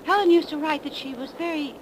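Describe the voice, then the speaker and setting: An actress playing an eager, level-headed young nurse in a 1930s radio drama, animated and proper, on a noisy old broadcast. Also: female voice, high-pitched, fast, close to an everyday voice. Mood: eager, curious.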